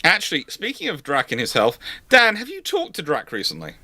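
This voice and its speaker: A man hosts a live, unscripted discussion. His voice is bright and moves animatedly up and down in pitch. He often halts and rewords his point mid-flow. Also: huge pitch swings, brisk. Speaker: host of a live question panel.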